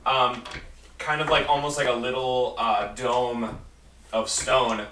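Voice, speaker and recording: A man narrating a tabletop game as game master, halting as he searches for words. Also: mid-range voice, little pitch movement, bright, forceful tone, a little hiss or hum. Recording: echoey room, distant mic, background music.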